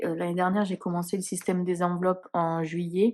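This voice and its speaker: A woman at a medium pitch, speaking at a moderate pace. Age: 30s. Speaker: budgeting vlogger, childminder. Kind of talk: casual vlog talk to camera. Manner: hesitant, many fillers.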